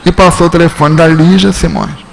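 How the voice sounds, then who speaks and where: A man's voice: a little fast, vocal fry, slight background noise, low-quality recording. A man with a Rio de Janeiro Portuguese accent giving a spiritist lecture, telling a story and acting out the dialogue. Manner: animated storytelling, acts out dialogue with shifting pitch. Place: spiritist centre lecture hall.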